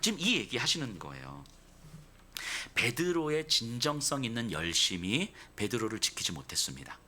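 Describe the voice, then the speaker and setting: Animated, bright-voiced male pastor preaching. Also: mid-range voice, moderate pace. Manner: expressive, acts out dialogue. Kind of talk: sermon.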